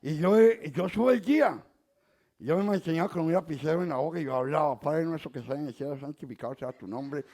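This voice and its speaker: Colombian pastor preaching with dramatic swings. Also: male voice, on the high side, brisk. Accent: Colombian Spanish, softened toward neutral. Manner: swings from quiet asides to loud emphatic exhortation. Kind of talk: sermon.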